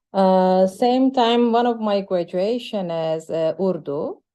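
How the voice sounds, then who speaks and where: A woman speaks with a Turkish accent in a dark, mellow tone at a medium pitch. Her pitch variation is ordinary, and the background is quiet. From Turkey. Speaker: language teacher. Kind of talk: self-introduction. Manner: halting.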